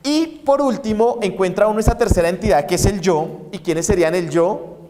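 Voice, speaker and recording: A Colombian man gives a university psychology lecture, acting out inner voices and posing rhetorical questions in a brisk, high-sitting voice. The hall recording is reverberant, with crowd noise present.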